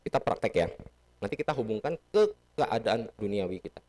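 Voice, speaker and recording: A man's voice: on the low side, big pitch swings, brisk, darkish tone, slight background noise. A man giving a casual Buddhist sermon in a temple hall, teaching playfully and asking the audience questions. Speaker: Buddhist dharma speaker.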